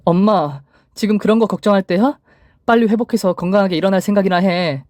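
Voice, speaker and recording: A man's voice: high-pitched, a little fast, darkish tone, dry recording, pitched above the performer's own voice, close to an everyday voice. A man voicing a desperate young wife who pleads in a raised, strained voice. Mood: urging.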